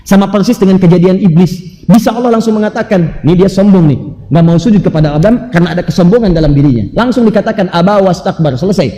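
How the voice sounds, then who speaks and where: A man delivers an emphatic sermon in a high, mellow voice, pressing rhetorical questions on his listeners. He moves at a fast clip and recites scripture rapidly between explanations. His voice rings out with the long reverb of a hall. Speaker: Islamic preacher.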